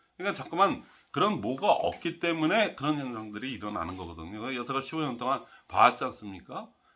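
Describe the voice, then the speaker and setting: On a very clean recording with a silent background, a man at medium pitch races along very fast, his bright, sharp voice showing vocal fry and very wide pitch swings. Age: 60s. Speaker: network marketing lecturer. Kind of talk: lecture. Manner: conversational with many fillers.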